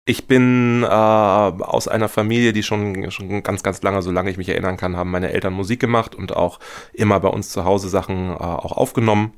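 A man from northern Germany who makes radio dramas, talking as a guest in a relaxed and thoughtful way with many fillers. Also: deep voice, normal speed, clean tone. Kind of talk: casual interview talk.

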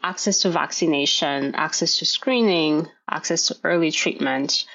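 A middle-aged woman from Kenya, a gynecologist guest explaining health issues in a measured way on a podcast. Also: sits low, a bit bright, muffled recording. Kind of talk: podcast interview.

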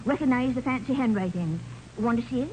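On a faintly noisy vintage radio recording, an actress plays a chatty working woman. Her voice is fairly high, with folksy, clipped phrasing in 1940s drama style. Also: lively intonation, fast talker, close to an everyday voice. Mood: informative.

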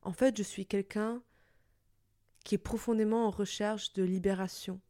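A woman's voice: medium pitch, steady tone, normal speed, mellow, no echo, clean studio sound. A young adult woman hosting a personal podcast monologue, talking in a reflective way and searching for her words. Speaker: podcast host.

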